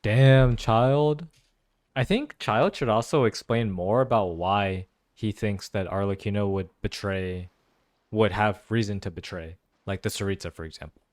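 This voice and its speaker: A young man giving casual, slangy play-through reactions as an excitable gaming fan. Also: on the low side, measured pace. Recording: game music behind voice.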